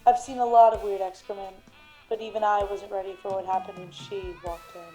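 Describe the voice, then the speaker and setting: A woman playing a hard-boiled, self-important private detective who narrates a noir radio drama in a brooding, deadpan manner. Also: mid-range voice, fairly quick, faint music behind, natural voice, low-quality recording. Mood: brooding, self-assured.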